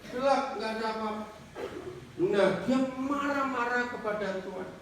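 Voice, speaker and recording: A male preacher giving an animated sermon, telling a story and quizzing his congregation directly. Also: very high voice, moderate pace. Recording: echoey hall from far off with faint noise.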